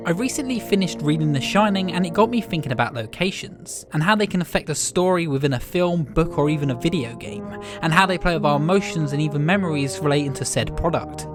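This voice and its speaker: A slightly hoarse man hosts a scripted video essay, speaking earnestly and with clear enthusiasm. His voice sits a little higher than most men's. Music plays steadily underneath. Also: expressive, fast, hardly any pauses. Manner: earnest, enthusiastic reflective delivery.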